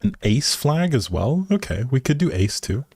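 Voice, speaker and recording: A man's voice: mid-range voice, big pitch swings, normal speed, a little mellow, breathy edge, no echo. A man hosting a game livestream, chatting casually and thinking aloud in an easygoing way as he plays. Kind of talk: casual livestream commentary while playing a life simulation game.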